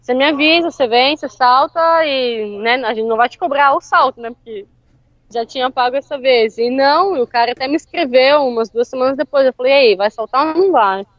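High-voiced woman laughing through a story. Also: brisk, fairly bright tone, no echo, lo-fi sound. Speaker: interview guest. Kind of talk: casual storytelling chat.

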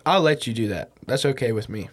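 A man's voice: mid-range voice, expressive, fast. A young man in casual podcast chat with a slangy, crude frat-bro way of talking.

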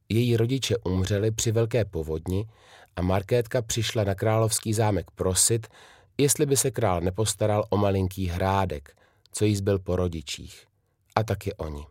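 A man narrating a children's story in a calm, even storytelling manner, softening at tender moments. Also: low voice, no room sound, clean studio sound. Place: recording studio.

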